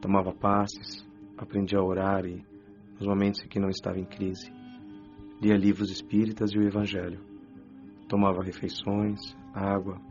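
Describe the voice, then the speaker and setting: A remorseful young ghost, once a cocaine addict, confesses in a subdued, deepish voice with little melody, as a man acts him. He speaks with a Brazilian Portuguese accent. The lo-fi recording sounds dull, with faint music behind him. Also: completely flat delivery, moderate pace, a little mellow, natural voice. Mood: somber. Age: young adult. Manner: low, subdued confessional telling. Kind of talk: radio drama first-person account.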